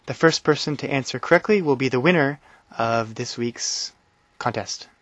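Guy hosting a language podcast, easygoing, middle pitch, kinda dull dry sound. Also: normal speed, fairly bright tone, dry recording. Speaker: podcast host. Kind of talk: casual podcast talk.

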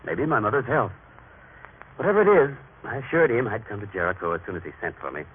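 A man's voice: fairly low pitch, sing-song, fast talker, phone-quality sound. An actor playing a proud, emphatic family father in an old radio drama, with a theatrical, paternal manner. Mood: fond, teasing. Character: proud, stern, affectionate husband and father, prejudiced. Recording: noisy, band-limited vintage radio recording.

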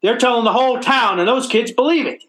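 A man's voice: very high voice, fast talker, a bit bright, reverberant. An actor playing a blustering, self-pitying working-class father in old-time radio comedy style, with stammering, folksy, ungrammatical speech. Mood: indignant.

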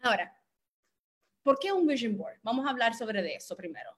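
Woman coach, middle-aged, fairly high voice, talking from a home office over a call mic, mixes English into her Spanish. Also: sing-song, a little fast. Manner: mixes English words into Spanish, self-deprecating about her Spanish. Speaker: guest speaker and business coach. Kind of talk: motivational training call.

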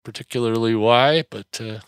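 A man's voice: medium pitch, normal speed, smooth, dry recording, clean studio sound. A middle-aged American man chatting casually on a solo podcast, rambling and hesitant in a folksy way, slightly nasal from mild congestion. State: mildly congested. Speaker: podcast host.

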